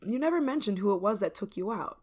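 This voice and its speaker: A woman voicing an obsessive, controlling neighbor in an ASMR roleplay, soft-spoken and slipping into whispers with a sweet, creeping menace. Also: medium pitch, animated, quick pace, natural voice. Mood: jealous.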